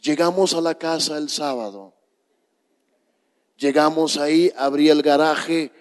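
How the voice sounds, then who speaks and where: Brief: middle-aged male pastor, slightly high voice, unhurried dramatic sermon storytelling, long church reverb. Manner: slow, dramatic storytelling to a congregation.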